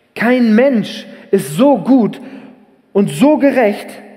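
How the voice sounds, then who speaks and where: A man speaks with ordinary pitch variation. The room has audible echo. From northern Germany, Flensburg. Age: 30s. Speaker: former drug dealer turned preacher. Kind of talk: testimony; sermon. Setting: youth church service with live audience.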